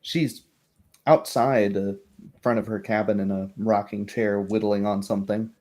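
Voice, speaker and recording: A man narrating a tabletop roleplay game as game master, in a halting, improvised manner. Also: fairly low pitch, steady tone, darkish tone.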